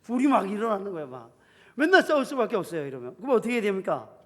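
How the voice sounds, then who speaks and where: A male pastor preaching an animated sermon in a church, acting out quoted husbands and wives as he goes. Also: high voice, rapid-fire. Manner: animated preaching, acts out spouses' quarrels in quoted voices. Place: church sanctuary. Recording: reverberant church hall.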